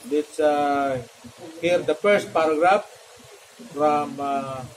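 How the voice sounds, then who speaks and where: A middle-aged man teaches in a classroom, speaking very slowly and leaning on fillers and rhetorical questions. His voice sits a little high, with a faint hum of room noise behind it. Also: fairly even intonation, low-quality recording. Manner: slow, questioning, with many fillers. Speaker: lecturer. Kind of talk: classroom lecture on plumbing code. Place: classroom with a whiteboard.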